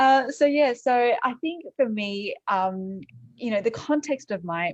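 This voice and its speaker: A woman with an Australian accent and very wide pitch swings. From Australia, Sydney. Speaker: e-commerce sales coach. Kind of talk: interview storytelling.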